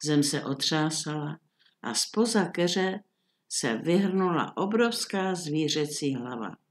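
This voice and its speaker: An older woman reading a classic fairy tale aloud in a calm, measured storytelling manner. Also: low-pitched.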